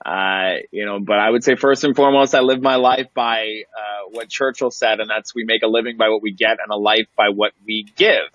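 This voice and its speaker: A man's voice: fairly low pitch, steady tone, brisk, few pauses, a bit bright, no room sound. A man giving a polished, aphoristic introduction as a chief executive on an online panel. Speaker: CEO, webinar panelist. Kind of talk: polished professional pitch. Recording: muffled dry online-call audio.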